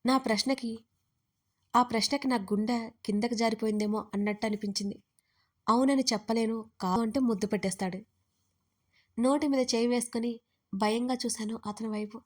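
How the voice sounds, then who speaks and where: A woman storyteller giving an expressive, dramatic first-person narration of a scripted romance story. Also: a little high, moderate pace, pauses often.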